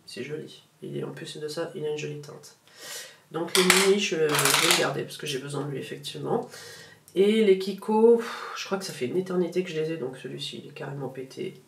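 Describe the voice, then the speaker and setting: A woman vlogger chatting casually as she sorts through her makeup, relaxed and slangy with lots of fillers. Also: low-pitched, brisk, vocal fry, recorded from a distance. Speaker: beauty vlogger. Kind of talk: casual chat while sorting makeup. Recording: echoey room, voice off-mic, faint background noise.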